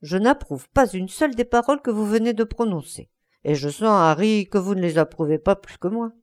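Earnest young painter, reflective, expressive melody , read by a woman. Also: medium pitch, fairly quick, natural voice.

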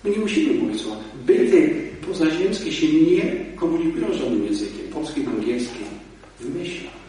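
A man, a priest and exorcist, giving a lively, conversational talk to a church audience, shifting between loud emphasis and low asides. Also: normal speed. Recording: echoey hall, mic far off.

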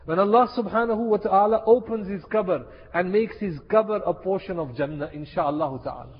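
Impassioned high-voiced male preacher. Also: moderate pace, husky. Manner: impassioned, repeats key phrases for emphasis. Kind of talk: sermon. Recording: echoey hall, dull lo-fi sound.

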